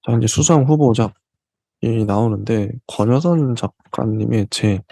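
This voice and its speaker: A man hosting a literature channel, reading passages from a novel aloud and explaining them in between with soft fillers. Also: mid-range voice, gravelly, dry recording. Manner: reads passages slowly, then comments with soft fillers.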